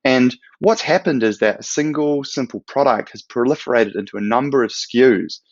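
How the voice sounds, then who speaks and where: A man in his thirties with a New Zealand accent, giving a measured, explanatory product talk into a close webcam mic. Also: medium pitch, no echo. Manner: measured, explanatory, with some fillers. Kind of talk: recorded conference presentation. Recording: dull, slightly lo-fi sound.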